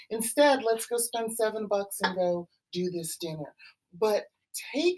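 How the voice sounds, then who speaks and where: Lively intonation marks a woman speaking with an American accent. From New York City, the Bronx. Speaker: college professor and diversity program leader. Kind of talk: webinar discussion. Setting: video webinar. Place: office. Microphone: camera far.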